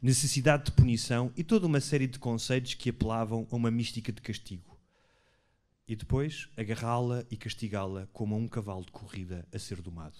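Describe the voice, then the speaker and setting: Over a quiet background, a man talks at a fairly quick pace with ordinary pitch variation and big swings in loudness. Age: 40s. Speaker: comedian podcast host. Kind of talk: live podcast before audience. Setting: stage with audience. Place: stage. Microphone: studio mic.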